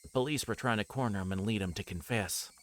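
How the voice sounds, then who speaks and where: A man's voice: lowish voice, fast. A man streaming a visual novel, reading the story aloud live and sometimes stumbling over a line and correcting himself. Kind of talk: live read-aloud of a story game, with asides. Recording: steady noise behind the voice.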